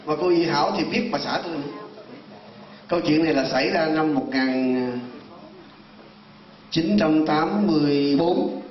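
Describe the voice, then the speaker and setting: A man's voice: a little high, unhurried, long pauses. A man in his sixties from Vietnam, a Buddhist monk teacher, telling a story animatedly in a sermon and turning often to his listeners. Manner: animated, addresses audience directly. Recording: roomy, distant, dull hall recording.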